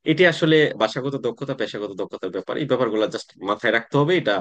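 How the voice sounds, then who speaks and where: A man, teaching an online class in a relaxed, conversational way, often pausing to check that students follow. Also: medium pitch. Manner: conversational teaching with frequent "তাই না?" check-ins and hesitations. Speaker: tax exam coaching instructor.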